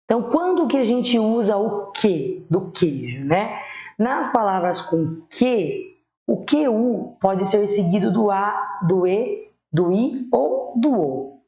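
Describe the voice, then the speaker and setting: A woman with a Brazilian accent teaching primary school children spelling, patiently sounding out words slowly. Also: mid-range voice, sing-song, mellow. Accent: Brazilian Portuguese. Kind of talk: online spelling lesson. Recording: echoey room, dull lo-fi sound.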